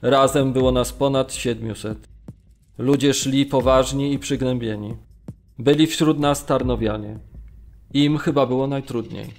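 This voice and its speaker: A man acting a sombre Polish camp survivor recounting his memories in a measured audio drama reading. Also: medium pitch, steady tone, soft background music, natural voice. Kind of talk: dramatised documentary memoir reading.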